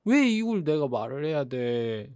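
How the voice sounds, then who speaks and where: A man's voice: mid-range voice, big pitch swings, a little slow, darkish tone, smooth, no room sound, clean studio sound. A young man playing a jealous boyfriend in a role-play drama, sulky and exasperated. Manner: sulky, hurt, exasperated complaining.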